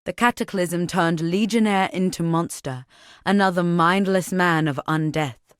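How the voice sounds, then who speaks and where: A solemn, watchful tribal woman , played by an actress, speaks as a video game ally. Her voice sits somewhat low for a woman. She tells things in measured, poetic phrases with an earnest weight, recorded very dry, without room sound. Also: clean tone, no room sound, natural voice. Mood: grave, wary. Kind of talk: scripted video game character dialogue.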